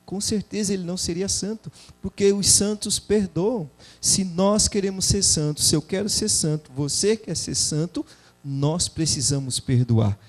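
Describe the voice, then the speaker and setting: A man's voice: high-pitched, a little mellow. Exhorting man on Christian TV. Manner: earnest, exhorting, uses examples from family life. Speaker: co-host of a Christian TV program. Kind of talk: religious talk show discussion.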